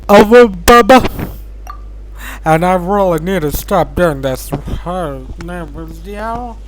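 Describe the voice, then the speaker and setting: A woman's voice: fairly low pitch, expressive, slow, a little hiss or hum, rough recording. A woman giving casual, off-the-cuff commentary on a game playthrough, joking and interrupting herself.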